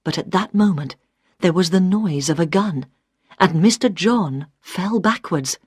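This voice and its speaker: A woman reading a story aloud for English learners, clear and deliberate. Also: fairly low pitch, expressive, a little mellow, no room sound, clean studio sound. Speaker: narrator.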